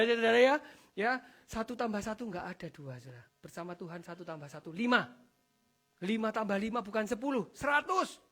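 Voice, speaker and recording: A pastor with a lilt delivers a spirited church sermon, calling out to the congregation after nearly every phrase. The voice sits in a middling pitch. It surges into loud, emphatic peaks, then drops low and soft for quiet asides. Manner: animated preaching, addresses the congregation as "saudara" after almost every phrase. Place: church service.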